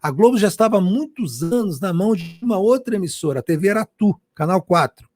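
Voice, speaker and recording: A man's voice: high voice, expressive, fast, darkish tone, no echo. A Brazilian man, a journalist answering interview questions passionately, often restarting and repeating words. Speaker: journalist guest.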